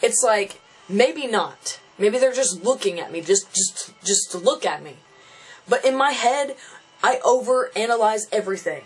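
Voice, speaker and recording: A man's voice: high voice, animated, unhurried, slightly rough, faint music behind, poor audio. A young transgender man venting casually to camera, frustrated and thinking aloud, often restarting and repeating phrases. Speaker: vlogger.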